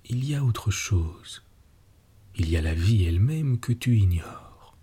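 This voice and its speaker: A man's voice: on the low side, lively intonation, unhurried, warm tone, husky, exaggerated voice. Man whispering as an anguished old man. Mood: protesting. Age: older. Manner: urgent, breathless protest.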